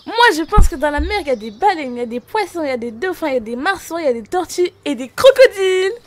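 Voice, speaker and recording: A woman's voice: high voice, lively intonation, quick pace. A female performer voicing a keen, confident little girl in a Christian children's cartoon, speaking earnestly.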